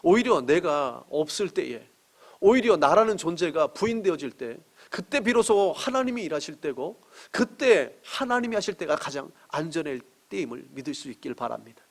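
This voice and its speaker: A middle-aged man preaching a sermon as pastor, earnest, asking rhetorical questions and swinging between emphatic rises and soft drops. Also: fairly high pitch, sing-song, moderate pace.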